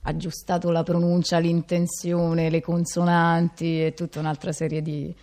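A woman's voice: fairly low pitch, monotone, normal speed, mellow. A woman from Tuscany, a singer, chatting casually and jokingly in an interview. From Tuscany, Italy. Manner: joking, laughing as she talks.

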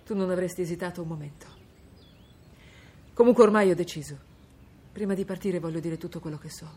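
A woman's voice: lowish voice, a little fast, darkish tone, lightly acted. An actress playing a middle-aged mother under threat, tense and urgent in a TV drama. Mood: tense, resolved. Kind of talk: TV drama acting.

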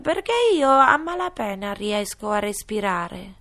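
A small, grumpy dormouse whines in a high, thin storybook voice, as a woman reads him. His complaints come out slow and fussy. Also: big pitch swings, a bit bright. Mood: peevish. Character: sleepy, peevish little dormouse.

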